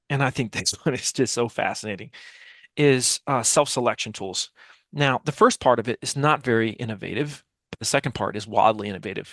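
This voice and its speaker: A man's voice: medium pitch, fairly bright tone, dry recording. Emphatic American man explaining, close dry sound. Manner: emphatic, rhetorical repetition and questions. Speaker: podcast guest, author and business speaker. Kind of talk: explanatory interview answer with storytelling. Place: small dim home office, video call. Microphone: headset microphone.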